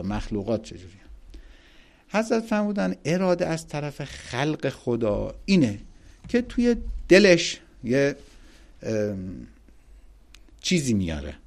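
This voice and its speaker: Animated, gravelly-voiced male religious lecturer. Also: medium pitch. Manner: animated, emphatic, rises sharply on key points; recites Arabic quotations.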